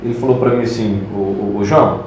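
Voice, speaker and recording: A man hosts a podcast, asking friendly and curious questions in a casual way. His voice is dark and mellow, and it rings out in a very echoey room with a faint background hiss. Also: lowish voice, fairly even intonation, fast talker. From Campo Grande, Brazil. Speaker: podcast host. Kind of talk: casual interview.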